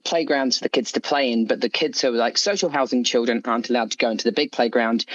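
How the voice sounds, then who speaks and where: Man explaining things, dull lo-fi audio. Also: medium pitch. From United Kingdom. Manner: explanatory, frequent "like" and "you know". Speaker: guest author interviewed about his story. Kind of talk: conversational interview answers.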